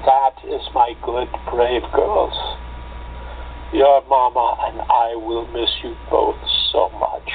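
A man playing an anxious, loving Romanian Jewish village father with earnest, deliberate phrasing in an amateur radio play. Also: medium pitch, level tone, lightly acted. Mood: fond, worried. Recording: tinny phone-like line with noise.

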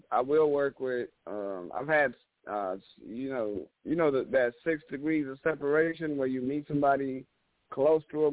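A roughly thirty-year-old stand-up comedian from Chicago appears as a guest in a casual interview, telling rambling, profane stories with animation. His voice is medium-pitched, and the sound is dry and narrow like a phone, with no echo.

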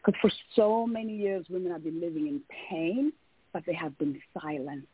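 Woman from Tanzania, radio interview guest, earnest and emphatic, husky voice, dry tinny phone line. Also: lowish voice, animated, moderate pace, no echo. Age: adult, came to America at seventeen for college. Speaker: guest, life coach.

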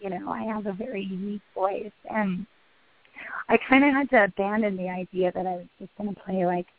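Husky-voiced woman on a phone line. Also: mid-range voice, brisk, no echo. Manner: rambling, chatty, many restarts. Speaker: actress guest. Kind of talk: phone interview.

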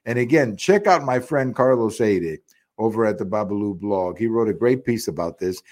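A man's voice: lowish voice, animated, moderate pace, a little mellow. A middle-aged man from Cuba giving a solo political commentary, indignant and repetitive, with frequent fillers and restarts. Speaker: podcast commentator.

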